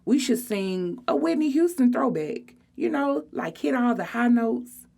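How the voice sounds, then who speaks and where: A woman's voice: on the high side, expressive, measured pace, vocal fry, darkish tone, pitched above the performer's own voice, exaggerated voice. A woman voicing a brash, boastful teenage girl with a sassy, snappy, slangy delivery in a storybook reading.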